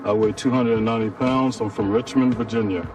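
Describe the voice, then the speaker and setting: A man's voice: on the low side, fairly even intonation, fairly quick, far from the mic, over music. A man briefly introducing himself as a strongman competitor in a plain, matter-of-fact way. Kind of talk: short self-introduction.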